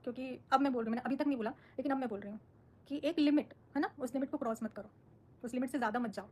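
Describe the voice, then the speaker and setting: A woman talks quickly and firmly on a live stream, answering the comments her viewers send her. She sounds defensive and outspoken, and her voice sits fairly high for a woman. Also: mellow. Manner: firm, defensive, speaks her mind. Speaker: social media creator on a live stream.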